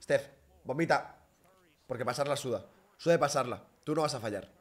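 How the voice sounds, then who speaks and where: A young man giving excitable live reaction commentary on a basketball game, bursting into shouts. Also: medium pitch, brisk.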